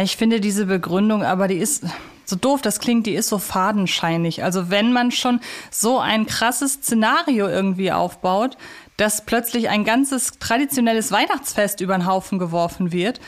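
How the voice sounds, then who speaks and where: A woman's voice: medium pitch, normal speed. A woman hosting a casual review podcast, wordy and opinionated, carefully qualifying her points. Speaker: podcast host. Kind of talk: casual review chat about audio dramas.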